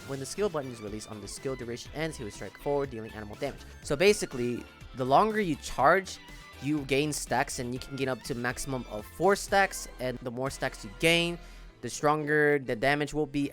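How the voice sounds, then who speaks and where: A man's voice: medium pitch, fairly bright tone. A man giving casual, informal commentary on a video game as a content creator, often stressing his words. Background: background music.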